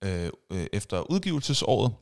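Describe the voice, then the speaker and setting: A man's voice: on the low side, very animated, creaky. A man hosting a podcast, telling personal stories in a casual chat and acting out screams and sound effects. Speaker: podcast host.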